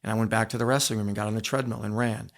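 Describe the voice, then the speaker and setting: A man's voice: on the low side, fairly even intonation, racing, gravelly. A middle-aged man speaking as a podcast guest, telling candid stories from his sporting life in an emphatic way, repeating phrases for weight. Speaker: interview guest, former wrestler and coach. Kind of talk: candid storytelling in a podcast interview.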